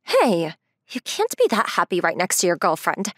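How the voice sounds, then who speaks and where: A woman's voice: on the low side, huge pitch swings, moderate pace, fairly bright tone, no echo, heavily acted. A young woman playing a bossy, confident, secretly lovestruck girlfriend in a manga dub, speaking bluntly. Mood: demanding. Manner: blunt, assertive. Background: music.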